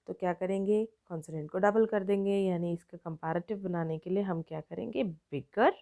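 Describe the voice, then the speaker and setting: Teaching grammar online, a woman with an Indian accent goes slowly, word by word, moving between Hindi and English. Her voice is lowish and mellow, with some vocal fry.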